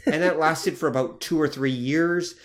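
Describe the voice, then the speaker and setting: A man's voice: fairly high pitch, normal speed. A man co-hosting a podcast, explaining things casually, correcting and adding notes, with jokes. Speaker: podcast co-host. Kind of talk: casual chat.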